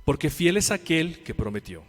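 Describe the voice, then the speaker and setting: A Mexican man preaching a sermon as pastor, asking his congregation questions and swinging from loud emphatic lines to quiet ones. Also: fairly high pitch, sing-song, normal speed. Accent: Mexican Spanish. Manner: preaching with rhetorical questions and call-and-response. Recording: long hall reverb.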